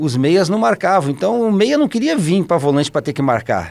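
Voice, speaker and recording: On a very clean recording with a silent background, a man with a southern Brazilian accent speaks at a fairly quick pace and fairly high pitch with very wide pitch swings. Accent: gaúcho Brazilian Portuguese. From southern Brazil, Porto Alegre. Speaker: former footballer. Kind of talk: casual interview. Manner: halting, many repetitions.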